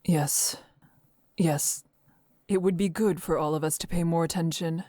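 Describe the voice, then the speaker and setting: Composed woman traveler, low pitch, dark soft tone, reserved, reassuring, game dialogue. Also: steady tone, measured pace. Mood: calm, reassuring. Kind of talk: visual novel voice acting.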